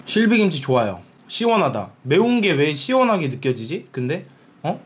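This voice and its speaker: A man's voice: a little high, very animated, normal speed, slight background noise. A young man in a casual eating vlog, talking with his mouth full while reacting to spicy food. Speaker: mukbang YouTuber. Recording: music playing under the voice.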